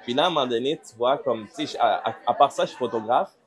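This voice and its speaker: A man hosting a podcast, with a Québécois French accent, telling stories in a relaxed casual way with many restarts. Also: medium pitch, fast. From Guatemala. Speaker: podcast host. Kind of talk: casual chat.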